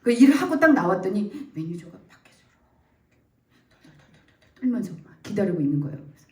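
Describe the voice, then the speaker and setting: A woman in her forties giving a heartfelt church testimony, telling her story with lively acted-out quotes. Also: mid-range voice, brisk. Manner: animated storytelling, acts out quotes, laughs and nearly cries. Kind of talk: emotional testimony. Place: church sanctuary. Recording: echoey church room, mic at a distance.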